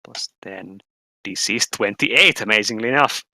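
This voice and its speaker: A man's voice: fairly low pitch, normal speed, creaky, bright, forceful tone, no echo, low-quality recording. A man narrating a tabletop role-playing game as game master, switching between formal narration and casual asides.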